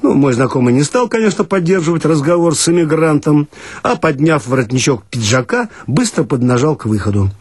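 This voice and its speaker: A male storyteller with a husky, slightly high voice reads a comic tale with ironic, mock-serious relish. His delivery swings widely in pitch, and the sound is dry and close. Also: big pitch swings, a little fast, dry recording. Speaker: narrator. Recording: dry archival radio recording.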